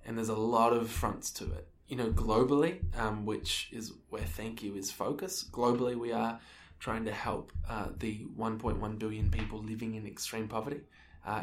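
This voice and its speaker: A thirty-year-old Australian man giving casual, informal answers as an interview guest. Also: fairly low pitch. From Melbourne, Australia. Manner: informal, conversational, peppered with "like" and "you know". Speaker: interview guest, social enterprise co-founder. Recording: echoey room, distant from the mic.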